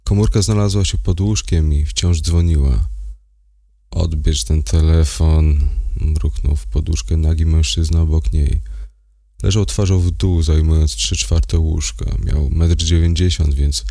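Man narrator, horror audiobook, dark mellow tone, dry close sound. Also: extremely low pitch, steady tone, moderate pace, no room sound.

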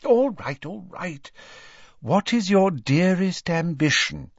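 A man voicing an anxious, fussy middle-aged witch mother who speaks in a stern, high-pitched way. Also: lively intonation, slow pace, creaky, breathy edge, dry recording, heavily acted. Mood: flustered. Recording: dull, dry lo-fi recording.

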